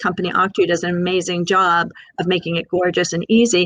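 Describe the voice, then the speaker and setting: A woman with an ordinary speaking voice talks at a medium pitch and a moderate pace. The sound is dry and close, with no echo. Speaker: fundraising consultant. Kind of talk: webinar advice talk. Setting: live video stream.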